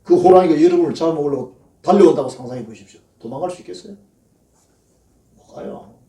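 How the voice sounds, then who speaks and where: A man's voice: a little high, fast, warm tone. A male pastor, preaching a sermon in a folksy storytelling way and acting out quoted prayers in a mocking voice. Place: church sanctuary. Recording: echoey church hall, voice from a distance.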